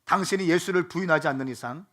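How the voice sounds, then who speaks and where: A middle-aged male pastor delivering a sermon in a high, bright, ringing voice. He swings from slow, hushed pleading to loud, fervent exhortation, calling out to the congregation.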